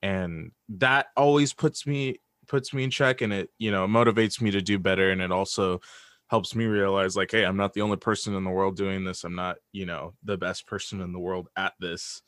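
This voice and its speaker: A man's voice: low-pitched, steady tone, normal speed, a bit bright, no echo, clean studio sound. A man being interviewed as a guest, speaking casually and reflectively in a hesitant, self-deprecating way. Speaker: interview guest, audio drama writer.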